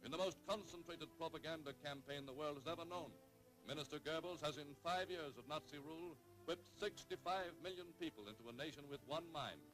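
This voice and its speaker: A man narrating an old 1930s newsreel in a dramatic, emphatic announcer's delivery with measured pauses. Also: on the high side, fairly bright tone, soft background music, rough recording.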